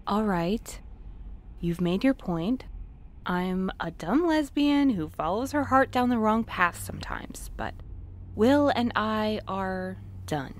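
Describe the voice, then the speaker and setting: A woman's voice: mid-range voice, animated, slow pace. An actress playing an earnest, romantic, stubborn woman courier, emotionally open, in a naturalistic audio drama. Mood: hurt, defensive.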